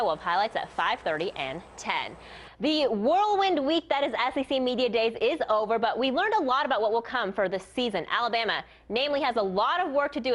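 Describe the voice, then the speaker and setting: A woman's voice: a little high, fairly bright tone. A woman with an American accent reading scripted sports news as a TV anchor.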